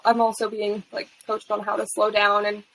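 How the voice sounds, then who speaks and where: Young female panelist, husky with vocal fry, casual. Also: medium pitch, monotone, normal speed, a bit bright, low-quality recording. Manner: casual, with fillers.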